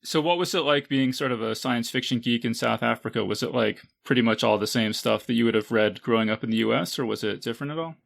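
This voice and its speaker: A man's voice: mid-range voice, fast talker, gravelly, few pauses, fairly bright tone. A man hosting a podcast, asking curious, leading questions in a casual chat. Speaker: podcast host.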